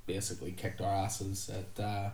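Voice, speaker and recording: Man, fairly low voice, chatty podcast host, echoey room, far from the mic. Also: completely flat delivery, moderate pace, darkish tone. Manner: chatty, rambling, with filler words. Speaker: podcast host, comic shop staff. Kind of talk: casual chat. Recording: roomy, distant mic.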